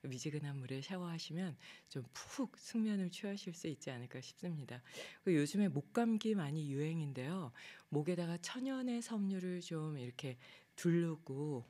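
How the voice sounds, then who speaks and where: Woman, low voice, soft trailing phrase endings, yoga teacher, casual talk. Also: animated, moderate pace, hardly any pauses. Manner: acts out her own past complaints in a higher, livelier voice. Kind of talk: casual spoken talk on a daily theme.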